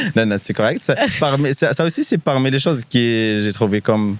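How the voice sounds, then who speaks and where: With ordinary pitch variation and medium pitch, a man speaks at a fairly quick pace. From Morocco, village near Marrakech. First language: Berber (Amazigh) (speaking French). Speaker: immigrant newcomer. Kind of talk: interview. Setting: outdoors. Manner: halting.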